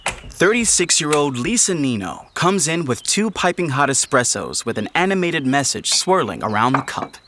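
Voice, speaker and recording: A man's voice: a little high, sing-song, moderate pace. A man playing the narrator of a futuristic audio drama, reading scripted scene description. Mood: measured.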